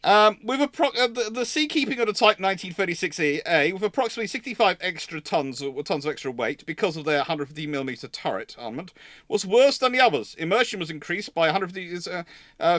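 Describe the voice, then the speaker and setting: Male livestream host, bright forceful voice, close dry sound, explanatory and digressive expert commentary. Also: high-pitched, expressive, fast talker, no room sound.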